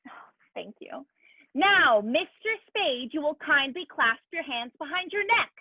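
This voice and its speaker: A woman's voice: sits high, lively intonation, unhurried, no echo. A woman acting a shifty, politely menacing man in a film noir radio play, speaking formally and stiltedly over a thin phone-like sound. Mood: insistent, menacing.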